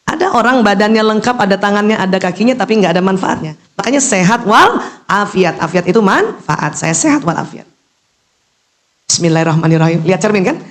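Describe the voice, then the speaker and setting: A middle-aged woman giving an animated religious lecture to women, posing questions and answering them herself, with a teasing manner. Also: medium pitch, fairly quick. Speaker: Islamic lecturer and doctor.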